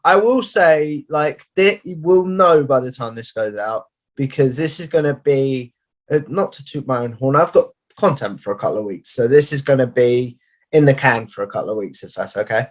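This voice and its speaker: Chatty young podcast host. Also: male voice, mid-range voice, expressive, moderate pace. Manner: chatty, friendly questioning with "like" fillers. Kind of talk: casual interview chat. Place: home room. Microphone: headset on video call.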